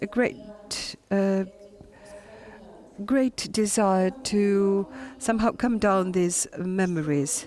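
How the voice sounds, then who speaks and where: With a German accent, a woman speaks at a medium pitch with ordinary pitch variation. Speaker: historian. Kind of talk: reading aloud. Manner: halting.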